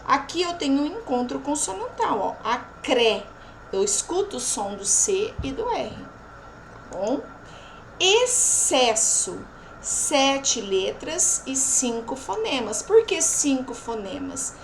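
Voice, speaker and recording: A Brazilian Portuguese woman teaches at an unhurried pace, stretching out each example word. Her voice sits high and moves a lot, and a faint hiss of noise sits under it. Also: sing-song, vocal fry, poor audio. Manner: slow, drawn-out pronunciation of example words; frequent checking tags after each point. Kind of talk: recorded remote lesson.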